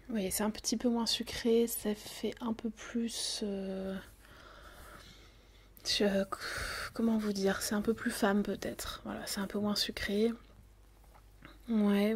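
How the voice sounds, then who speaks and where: A woman whispers softly and steadily, playing a perfume saleswoman in an ASMR roleplay. Her tone stays level, with little rise and fall. She hesitates often, filling pauses as she goes. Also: medium pitch, husky. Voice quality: soft whisper. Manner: hesitant, many fillers.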